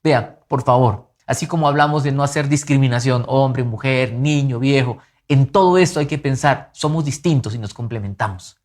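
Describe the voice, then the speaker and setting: Earnest pastor preaching. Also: male voice, medium pitch, moderate pace, few pauses. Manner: earnest, emphatic preaching with lively rises and soft drops. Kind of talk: sermon.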